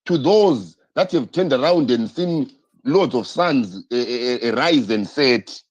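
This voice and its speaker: Impassioned man on a lively, husky stream. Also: mid-range voice. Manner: impassioned, repetitive, rhetorical questions. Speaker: live-stream host. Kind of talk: political live-stream commentary. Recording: dull lo-fi stream audio.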